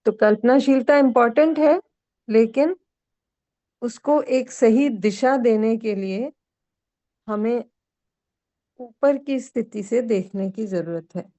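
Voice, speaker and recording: A woman teacher speaks very slowly in a mellow, rather high voice. She explains her ideas calmly and without hurry, like a patient guide leading a class. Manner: calm, unhurried, explanatory. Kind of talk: calm spiritual lesson.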